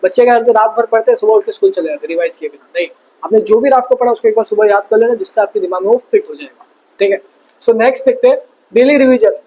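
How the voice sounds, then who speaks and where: A man's voice: sits high, rapid-fire, mellow, rough recording. A young man giving motivational study advice in a fatherly way, often repeating his points. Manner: fatherly, calls viewers "beta", repeats advice. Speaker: study tips presenter.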